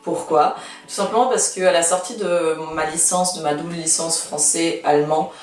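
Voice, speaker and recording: A woman's voice: on the low side, fairly even intonation, moderate pace, reverberant, recorded from a distance, soft background music. A woman in her twenties, born in Canada, chatting in a vlog with many fillers and restarts while losing her voice. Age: 20s. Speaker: law student vlogger. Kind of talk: casual vlog chat.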